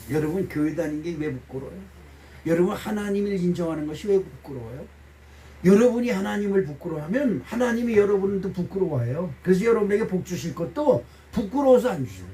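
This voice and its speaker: A middle-aged man preaching a sermon as pastor, animated, swinging between loud exclamations and low asides. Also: a little hiss or hum. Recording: voice from a distance.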